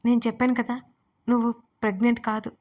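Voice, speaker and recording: A woman's voice: a little high, level tone, quick pace, a little mellow, highs cut off, close to an everyday voice. A woman voicing a firm, serious young man. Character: calm, reassuring young man, a caring friend.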